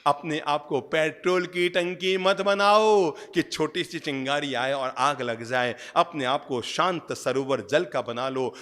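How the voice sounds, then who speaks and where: A man giving a discourse sermon as a spiritual preacher, telling stories with sudden swings between loud and soft. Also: fairly high pitch. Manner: animated storytelling with dramatic swings in volume. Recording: long hall reverb.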